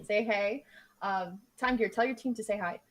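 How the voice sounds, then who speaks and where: A woman's voice: mid-range voice, moderate pace, soft background music. A young woman hosting a live esports stream, upbeat and full of fillers, interviewing players.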